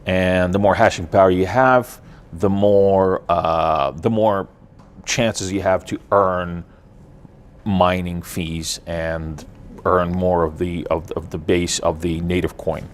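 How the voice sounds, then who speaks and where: Explaining blockchain tech in a casual interview, the Ukrainian guest, whose first language is Russian, keeps a steady tone in his deep voice. He stops and starts often, with lots of fillers and restarts.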